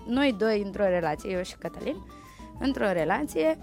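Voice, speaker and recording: A woman's voice: medium pitch, faint music behind. A woman, telling a long anecdote in casual chat and acting out the quotes. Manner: lively anecdotal, acts out quotes. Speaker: guest. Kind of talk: casual storytelling on a podcast.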